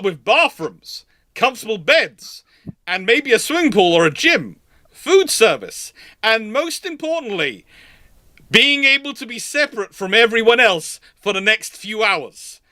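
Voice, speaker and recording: A man's voice: sits high, sharp tone, no echo, clean studio sound. A man hosting a casual live question-and-answer chat. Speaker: host.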